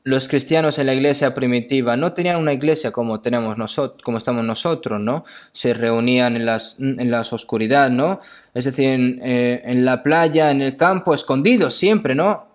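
A man delivering a sermon with scripture readings, speaking haltingly, repeating phrases and often adding short questioning tags. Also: mid-range voice.

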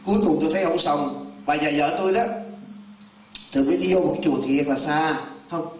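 A man's voice: on the high side, a little fast. A man in his sixties from Vietnam, a Buddhist monk teacher, telling a story animatedly in a sermon and turning often to his listeners. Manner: animated, addresses audience directly. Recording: roomy, distant, dull hall recording.

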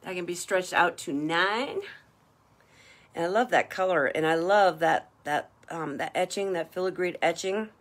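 A woman's voice: fairly low pitch, normal speed. A woman hosting a live online jewelry party, chatting and gushing over each piece as she shows it. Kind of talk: live-stream sales chat.

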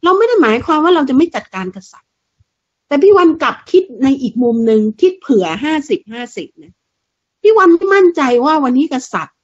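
Fiery high-voiced woman, lo-fi sound. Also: big pitch swings, brisk. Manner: fiery, blunt, crude and mocking, rhetorical questions. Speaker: political commentator. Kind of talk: impassioned political monologue. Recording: dull lo-fi sound.

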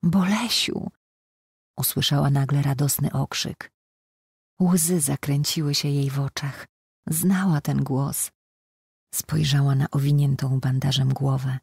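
A woman reading an audiobook as the narrator, telling the story calmly and evenly. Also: rumbling low, a little slow, gravelly, slightly rough, no echo, clean studio sound.

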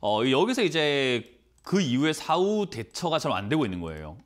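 A man in his thirties with a cold, a stock market mentor on a studio call-in show, talking quickly and asking many rhetorical questions. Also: on the high side, big pitch swings. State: has a cold. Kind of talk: financial advice call-in show.

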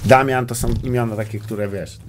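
A man's voice: mid-range voice, fairly even intonation, brisk, slight background noise. A young man hosting a casual comedy podcast, telling rambling stories with crude jokes and bits of English. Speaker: podcast host.

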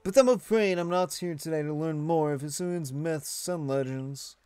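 A man voicing a friendly young male merchant with flattering salesman patter. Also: a little high, moderate pace, clean tone, dry recording, pitched below the performer's own voice, close to an everyday voice. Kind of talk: dubbing game dialogue aloud.

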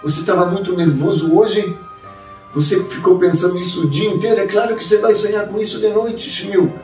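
Brief: male storyteller putting on a soothing wife's voice, higher, distant mic. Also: fairly even intonation, a little fast, a little mellow. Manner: soothing, reassuring. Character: patient wife, calming her husband. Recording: roomy, distant mic, faint music.

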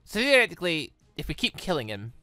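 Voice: medium pitch, very animated, fast talker, pushed and bright, dry recording. A gaming host reads a young woman fighter in a visual novel, anxious and easily shaken. The lines come hesitantly, in a dry close recording with faint music behind. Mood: worried. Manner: hesitant, worried. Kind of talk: visual novel dialogue read aloud.

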